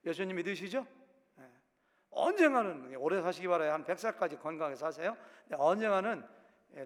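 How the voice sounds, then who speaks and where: Animated Korean pastor with a Chungcheong accent. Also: male voice, high-pitched. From Korea, Chungcheong province. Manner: animated, acts out quotes in shifting voices. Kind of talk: sermon. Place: church sanctuary. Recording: long hall reverb.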